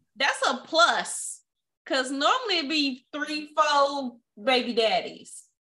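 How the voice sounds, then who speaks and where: A woman's raised, projected voice, high in pitch with a bright, sharp tone, ordinary pitch variation and a very slow pace. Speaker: podcast host. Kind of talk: casual chat.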